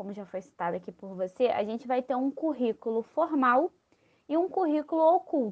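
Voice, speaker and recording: A woman's high-pitched voice rises and falls through very wide pitch swings. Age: 20s. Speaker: biology graduate, sex education project member. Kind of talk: interview. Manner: formal.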